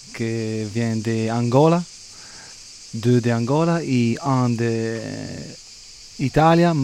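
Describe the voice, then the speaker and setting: Here a man speaks with ordinary pitch variation. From Italy. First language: Italian (speaking French). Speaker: accordionist. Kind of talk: interview.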